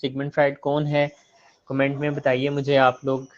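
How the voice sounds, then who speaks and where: A man's voice: medium pitch, monotone, normal speed, lo-fi sound. A man giving an online class lecture, chiding and teasing his students.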